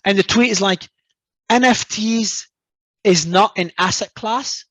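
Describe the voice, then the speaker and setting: A man from Australia, a guest talking in an animated, emphatic way and often repeating words as he restarts. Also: sits high, unhurried, no echo. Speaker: crypto entrepreneur guest. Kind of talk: casual interview talk.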